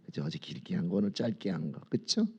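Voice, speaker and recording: A man's voice: low voice, animated, quick pace, breathy edge, lo-fi sound. A male pastor preaching a dawn sermon in a church, telling stories conversationally and asking the congregation rhetorical questions. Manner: leads congregation in reading and prayer. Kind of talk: sermon at a dawn prayer service. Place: church sanctuary.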